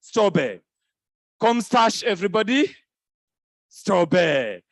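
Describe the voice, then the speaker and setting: A man's voice: high-pitched, very animated, measured pace, a bit bright, no room sound, clean studio sound. A man hosting a live youth event, playfully teaching the crowd greetings and repeating phrases back to them. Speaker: event host. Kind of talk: lively crowd interaction. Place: conference hall stage.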